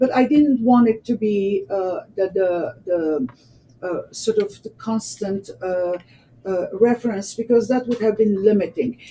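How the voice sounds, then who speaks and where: Speaking very slowly with an Armenian accent, a woman has a fairly high, dark, mellow voice with ordinary pitch variation. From Lebanon. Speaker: actress. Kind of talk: interview answer.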